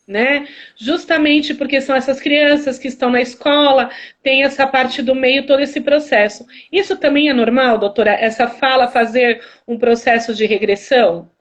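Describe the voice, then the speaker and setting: A woman's voice: high-pitched, fairly even intonation, moderate pace, highs cut off. A woman host with a Brazilian Portuguese accent asking long, rambling questions with many restarts on a video call. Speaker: live stream host. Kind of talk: interview questions.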